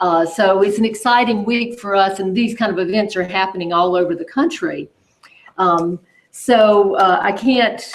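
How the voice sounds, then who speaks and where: A woman with a plain, everyday voice, medium in pitch, at a fairly slow pace with ordinary pitch variation. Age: 50s. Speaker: pollinator advocacy organizer. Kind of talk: panel discussion.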